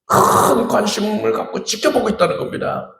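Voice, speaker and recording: A man preaching a Sunday sermon as pastor, dramatic, with sudden shouts and big swings in pitch. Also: moderate pace, vocal fry. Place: church sanctuary. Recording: echoey church hall.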